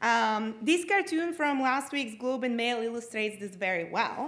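Speaking with a Bulgarian accent, a woman with a high pitch keeps a moderate pace. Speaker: economist. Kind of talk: public talk. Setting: stage with audience. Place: hall. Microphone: podium.

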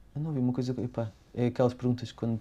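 This man's voice has a dark, mellow tone. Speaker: musician, band guitarist and solo artist; interviewee. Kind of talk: interview. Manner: halting, many repeated words. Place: studio. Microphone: lapel.

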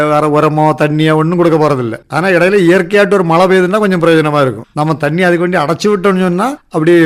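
A man talks in a high pitch with ordinary pitch variation. His loudness stays very even. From Kanyakumari district, Tamil Nadu, India. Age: 60s. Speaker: farmer. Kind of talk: radio interview.

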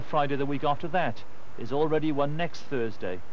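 At a moderate pace, a man speaks in a plain, everyday voice, fairly high in pitch. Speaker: news correspondent. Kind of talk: news report. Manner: repeats words when speaking off the cuff.

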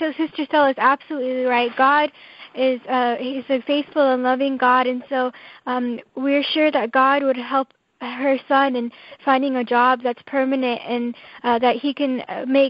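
A woman speaks at a high pitch in a monotone, flat manner, the sound dry with no echo. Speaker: prayer line leader. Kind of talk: group prayer and scripture reading. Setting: phone prayer line. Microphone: phone line.

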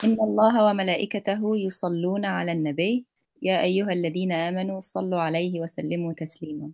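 A woman with an Arabic accent talks at a fairly slow pace. Her pitch varies in an ordinary way over a quiet background. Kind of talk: live stream discussion. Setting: online call. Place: home room. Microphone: video call.

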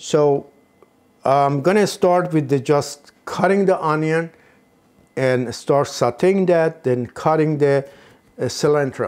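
Against a quiet background, a man speaks at a very slow pace with long, frequent pauses, very even loudness and ordinary pitch variation. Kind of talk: tutorial. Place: kitchen.

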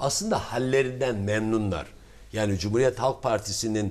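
Pitched fairly low, a man's voice shows ordinary variation in pitch. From Turkey, Ankara. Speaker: politician. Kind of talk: political TV interview. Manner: hesitant, frequent fillers. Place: studio. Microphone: lapel.

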